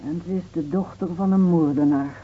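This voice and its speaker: An actress playing a bitter, grieving village wife in an intense, emotional radio drama. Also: female voice, low-pitched, fairly quick, breathy edge. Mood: sullen, guarded. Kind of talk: Dutch radio drama acting. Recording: muffled, phone-like old radio recording.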